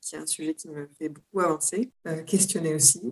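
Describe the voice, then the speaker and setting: This woman has a fairly low-pitched voice. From Mexico. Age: 30s. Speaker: yoga teacher and author. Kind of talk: casual interview chat.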